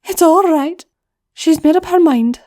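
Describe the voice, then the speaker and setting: A woman's voice: very high-pitched, a little slow, dark tone, voice pushed up. A woman voicing a kind adult woman who reassures others firmly. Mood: reassuring.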